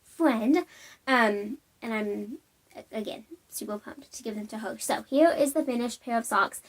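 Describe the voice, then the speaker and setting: A young woman hosting a knitting podcast, chatting casually and bubbly to camera from home, with lots of "um"s and tangents. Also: on the high side.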